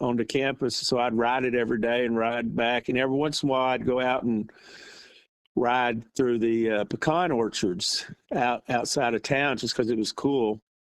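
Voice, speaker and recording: Recorded with a dry, close sound and no echo, a man of medium pitch with a West Texas accent speaks at a moderate pace with fairly even intonation. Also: very even loudness. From West Texas / eastern New Mexico. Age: 60s. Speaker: retired teacher and cyclist. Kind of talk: podcast interview. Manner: halting, repeats words.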